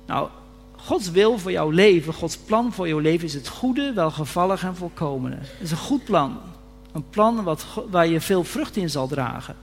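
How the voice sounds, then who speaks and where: A man preaching a sermon earnestly, often rising to fervent emphasis, recorded in a reverberant church hall. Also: high voice. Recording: reverberant hall with faint hum.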